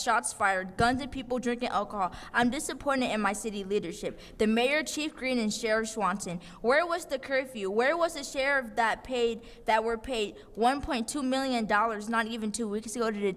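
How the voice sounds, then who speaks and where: A woman's voice: a little high, a bit bright. A young woman giving an impassioned, accusing public comment to a city council. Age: young adult. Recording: long reverb of a council chamber.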